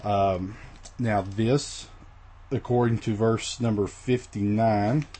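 A man's voice: fairly low pitch, fairly even intonation, slow pace, warm tone, slight background noise. A man teaching a recorded Bible lesson in a casual, rambling way, with many fillers and restarts, his voice weak after the flu.

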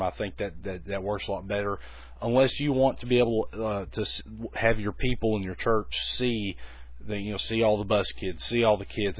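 Bass-voiced man, tinny lo-fi sound. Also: husky, dry recording. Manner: folksy, conversational, many restarts. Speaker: children's ministry teacher. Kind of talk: recorded teaching talk. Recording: tinny phone-like lo-fi recording.

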